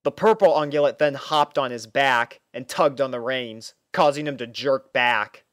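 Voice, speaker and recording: A man narrating a scripted story in a measured, mock-serious storytelling manner. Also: mid-range voice, fairly bright tone, no room sound, clean studio sound. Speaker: fan fiction narrator.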